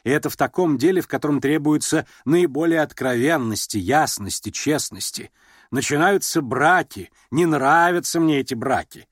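A man voicing an imperious, sharp-tongued middle-aged noblewoman and mother, scolding and abrupt, in an audiobook. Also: fairly high pitch, animated, normal speed, breathy edge, no room sound, studio quality, voice pushed up. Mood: irritated. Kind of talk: audiobook character reading.

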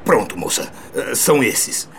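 A man's voice: medium pitch, animated, unhurried, vocal fry, a bit bright, a little hiss or hum. A man acting as a cautious elderly pharmacist in a Brazilian radio drama, with a Brazilian accent and a hesitant, conspiratorial manner. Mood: feigned nonchalance, cautious. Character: elderly male pharmacist, cautious, feigning nonchalance.

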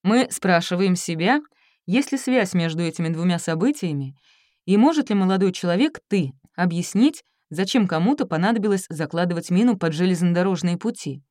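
A woman voices a polite adult American man questioning a young man patiently, coaxing answers out of him. The voice sits low and mellow, close and dry. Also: expressive, brisk, no echo, close to an everyday voice.

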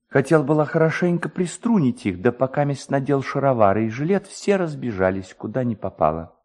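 A man's voice: mid-range voice, dark tone. A man voicing a skinny, fawning, indignant village clerk with a singsong, complaining manner in a dramatised story.

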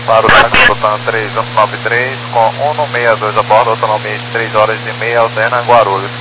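A man's voice: lowish voice, little pitch movement, normal speed. Male pilot through heavy radio noise and hum. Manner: clipped procedural phrasing. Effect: radio transmission. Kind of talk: air traffic radio readbacks. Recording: very noisy aviation radio with hum.

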